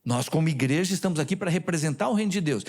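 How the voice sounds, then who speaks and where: A man's voice: fairly high pitch, fast. A man with a Brazilian Portuguese accent preaching a sermon as a pastor, who puts questions to the congregation and retells conversations. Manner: animated, quizzes the congregation with questions. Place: church sanctuary.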